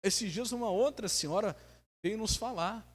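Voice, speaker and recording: High-voiced Brazilian pastor preaching. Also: male voice, normal speed, husky. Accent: Brazilian Portuguese. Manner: lively preaching, asks the congregation to answer amen. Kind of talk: sermon. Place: church hall. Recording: long church reverb.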